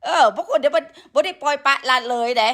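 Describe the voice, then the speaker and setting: A woman's voice: high voice, quick pace, a bit bright. A woman with an Isan Thai accent and a sore throat from a cold, ranting crudely and scolding at length in a live stream, with many fillers. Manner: crude, scolding, heavy with profanity; peppers talk with fillers. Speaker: livestreamer addressing followers.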